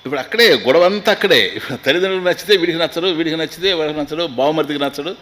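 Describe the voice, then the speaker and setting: A man leads a scriptural discourse in a slightly high voice. He draws out the Sanskrit phrases slowly, then rattles off quick, humorous explanations in the style of a spiritual talk. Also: a bit bright. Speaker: swami giving a spiritual discourse.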